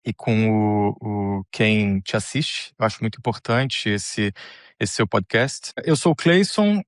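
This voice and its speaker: A man's voice: fairly low pitch, unhurried, no echo. Middle-aged Brazilian man, dry close sound. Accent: Brazilian Portuguese. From Brazil, born in Paraná, grew up in Rio de Janeiro. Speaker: interview guest, technology manager. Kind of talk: conversational personal story.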